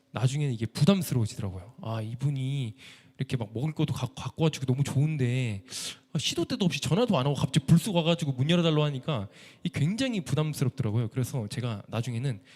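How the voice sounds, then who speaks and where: A man giving an emotional church testimony as a missionary violinist, telling his story with animated feeling. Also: mid-range voice, fast. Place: church sanctuary. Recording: echoey church hall.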